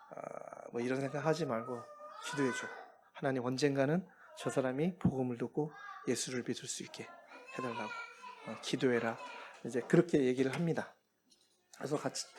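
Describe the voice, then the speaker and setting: A man preaching as a missionary, telling personal stories in a relaxed, conversational way with occasional chuckles. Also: mid-range voice. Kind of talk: sermon storytelling.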